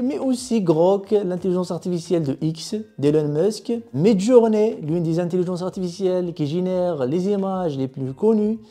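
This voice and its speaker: Very dark, mellow tutorial voice. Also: mid-range voice. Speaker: tutorial presenter. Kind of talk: explanatory tech tutorial narration.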